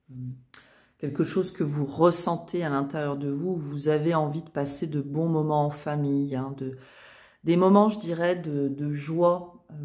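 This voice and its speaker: A woman's voice: deep voice, darkish tone. A woman giving a chatty tarot reading, with many fillers and restarts. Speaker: tarot reader. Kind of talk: casual tarot reading video.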